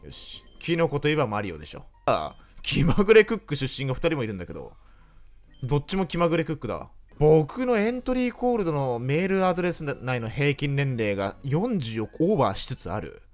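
A man's voice: fairly high pitch, very animated, brisk, soft background music. A man giving casual, joking commentary while playing a video game, teasing and talking to himself and his viewers. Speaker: game streamer. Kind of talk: joking let's-play commentary.

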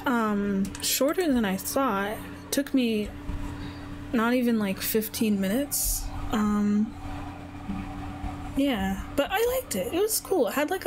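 Young woman streamer, higher voice, chatting casually. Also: noisy background. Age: young adult. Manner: chatty, musing aloud. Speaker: game streamer. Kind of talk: casual let's-play commentary.

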